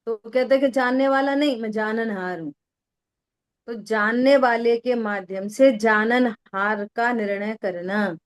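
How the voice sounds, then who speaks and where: A middle-aged woman teaching a spiritual discussion, answering questions patiently with everyday examples and repeated phrasing. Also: mid-range voice.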